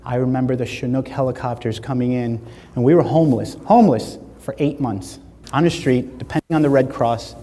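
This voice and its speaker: A man, giving a keynote speech and acting out stories with lively dialogue. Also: mid-range voice, brisk, big-room sound. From Latin America, Spanish-speaking. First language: Spanish. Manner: animated storyteller acting out dialogue. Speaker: motivational speaker. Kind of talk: keynote speech to a live audience. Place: large hall.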